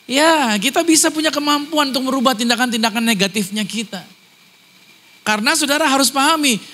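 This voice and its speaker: Ambonese pastor guy preaching, high bright voice, jokey, animated. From Ambon, Indonesia. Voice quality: naturally high-pitched voice. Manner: animated, joking, acts out voices of others. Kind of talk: sermon.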